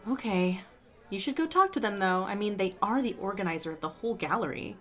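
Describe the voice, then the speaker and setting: Audio drama sidekick: woman as pushy, cheerful female friend, medium pitch, casual teasing, faint music behind. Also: lively intonation, fairly quick, lightly acted. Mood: teasing, encouraging. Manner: casual, playful. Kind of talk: fiction podcast acting.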